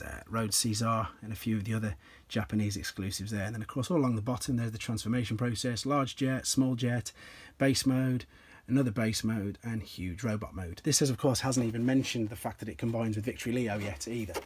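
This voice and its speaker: A slightly hoarse man, an enthusiastic toy collector, casually explaining and demonstrating pieces from his collection step by step, with frequent ums. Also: on the low side, steady tone, moderate pace. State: slightly hoarse, clears throat.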